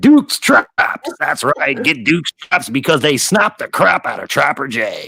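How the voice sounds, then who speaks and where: A man puts on a high, raspy character voice at a moderate pace. The sound is dry and close, with no echo. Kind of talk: ad-read.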